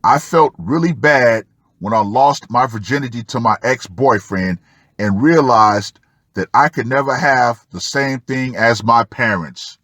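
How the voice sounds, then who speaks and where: Man, online commentator, unhurried pace, dry close sound, drawn-out emphatic words, reading aloud. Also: medium pitch, fairly bright tone, dry recording. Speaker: host of an online commentary show.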